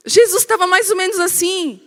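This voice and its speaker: A woman's voice: very high voice, normal speed, soft background music. A woman pastor with a Brazilian Portuguese accent preaching a sermon, telling stories with animation and speaking straight to her congregation. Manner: animated storytelling, addresses the congregation directly. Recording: long hall reverb.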